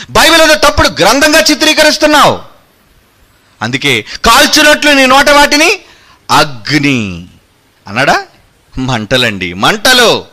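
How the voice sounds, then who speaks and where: A man's voice: high voice, sharp tone. A man preaching a fiery sermon, combative and mocking, firing rhetorical questions.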